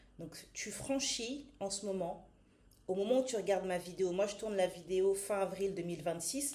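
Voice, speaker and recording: Amid audible room echo, a woman with a dark, mellow tone and a medium pitch speaks at a moderate pace with ordinary pitch variation. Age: 30s. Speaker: tarot card reader. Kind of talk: oracle card reading. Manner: halting, many fillers and repetitions.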